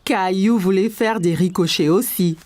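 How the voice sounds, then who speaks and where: A woman narrating a children's cartoon in a gentle, scripted storytelling manner. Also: mid-range voice, moderate pace, dry recording. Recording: music bed under voice.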